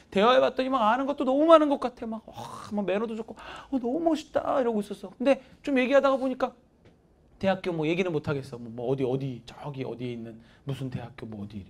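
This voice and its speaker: Lively woman teacher giving a pep talk. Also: medium pitch. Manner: lively, acts out quoted voices, talks down-to-earth to students. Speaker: math teacher. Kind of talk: motivational talk to students.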